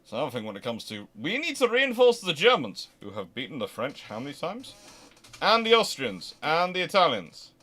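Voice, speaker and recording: Man thinking aloud, halting and emphatic. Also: fairly high pitch, wildly swooping pitch, pushed and bright. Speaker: host of naval history channel. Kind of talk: live question-and-answer talk, speculative history commentary.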